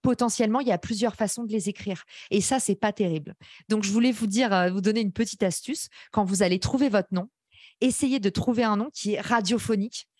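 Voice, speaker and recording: A woman's voice: mid-range voice, a little fast, a little mellow, dry recording. Chatty woman teaching, dry close sound. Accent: English-tinged French. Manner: chatty, enthusiastic, addresses the audience directly. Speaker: podcast course instructor. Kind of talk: live workshop teaching.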